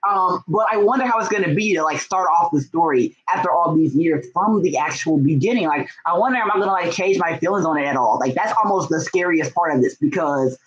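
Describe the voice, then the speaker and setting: A young man hosts a casual livestream about books in a fairly high voice. He talks in a gushing, excitable way, with lots of slang. The sound is a bit dull and lo-fi. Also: brisk, hardly any pauses. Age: young adult. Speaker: book vlogger and writer hosting a livestream. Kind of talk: casual, chatty livestream talk.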